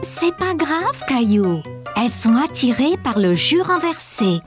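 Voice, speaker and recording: An actress voicing a patient, encouraging mother in a cartoon, speaking softly and unhurried. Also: high-pitched, very animated, over music. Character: warm, patient mother of a small boy.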